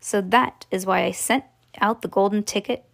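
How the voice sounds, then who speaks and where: A woman reading an excitable old candy maker. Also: mid-range voice, moderate pace, gravelly. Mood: earnest, confiding. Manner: emphatic, exclamatory. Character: excitable elderly male candy factory owner, grand and eager.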